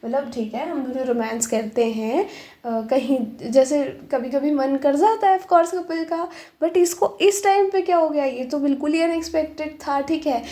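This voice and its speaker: A woman's voice: high voice, moderate pace, mellow. A woman giving a casual, playful tarot reading, chatting and acting out little dialogues with frequent giggles. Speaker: tarot reader.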